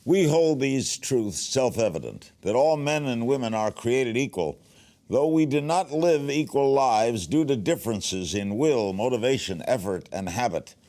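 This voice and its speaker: A man's voice: medium pitch, a little mellow. A man reading a scripted inspirational manifesto aloud.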